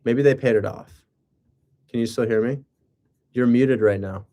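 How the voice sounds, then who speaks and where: A man's voice: mid-range voice, measured pace, mellow. A man chatting casually on a livestream, rambling with sarcastic asides and rhetorical questions. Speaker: live streamer and real estate wholesaler.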